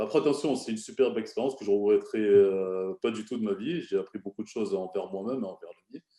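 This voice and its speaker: A man talks at a very fast clip with hardly a pause, his fairly low, dark and mellow voice showing ordinary pitch variation and big swings in loudness. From southern France, Marseille. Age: 30s. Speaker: real estate investor, former navy sailor. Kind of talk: interview. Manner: halting, many fillers.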